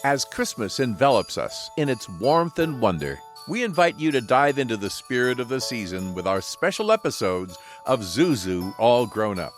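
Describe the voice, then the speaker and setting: A man's voice: mid-range voice, sing-song, normal speed, few pauses. A man reading a scripted promotional voice-over as an announcer. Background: music with jingle bells.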